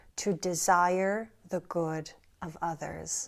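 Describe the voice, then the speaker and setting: In a very clean recording with a silent background, a woman speaks at a medium pitch. Her intonation is monotone and flat. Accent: Italian. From Italy. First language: Italian. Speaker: language educator. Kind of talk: educational monologue.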